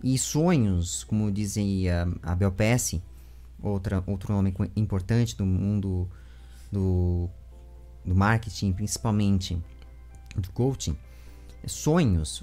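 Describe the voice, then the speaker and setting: A man in his twenties with a Brazilian accent, hosting a casual interview in an animated, rambling way, speaking into a close desk microphone at home. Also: fairly low pitch, slow pace, faint music behind. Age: 20s. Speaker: interviewer and show host. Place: small room with bookshelves at home. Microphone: large desk microphone with foam windscreen, close.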